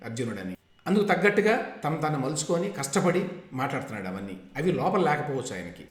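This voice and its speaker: A man who is a journalist, giving a conversational political commentary with emphatic turns and frequent fillers. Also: on the high side. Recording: echoey room.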